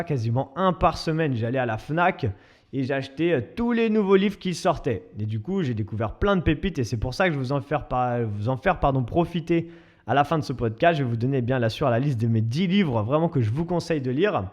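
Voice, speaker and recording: A young man with a slightly high voice talks through his solo podcast in a loose, chatty way. He restarts his sentences often and pokes fun at himself. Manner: chatty, self-mocking, many restarts and fillers. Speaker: podcast host and fitness coach. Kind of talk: casual solo podcast monologue.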